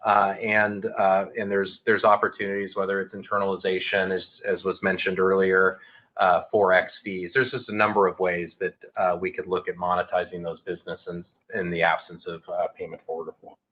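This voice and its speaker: A man speaking as a company executive, answering questions on an earnings call in measured, hesitant, unscripted corporate talk. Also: sits low, little pitch movement. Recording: narrow tinny phone-line audio.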